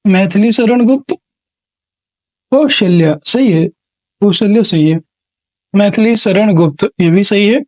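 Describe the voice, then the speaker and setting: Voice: mid-range voice, takes it slowly, pauses often, darkish tone, no room sound. A Hindi exam-prep teacher working through multiple-choice spelling questions, reading each option aloud, repeating words and naming the right answer. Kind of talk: classroom lesson on spelling questions.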